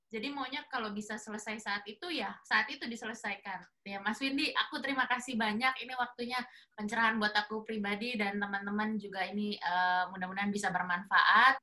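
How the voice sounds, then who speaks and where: Bright-voiced chatty woman interviewer. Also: a little high. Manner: friendly, chatty, wraps up politely. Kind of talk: casual interview hosting.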